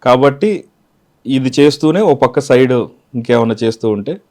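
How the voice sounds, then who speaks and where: A man, a mimicry artist, giving calm, reflective interview answers. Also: mid-range voice, moderate pace.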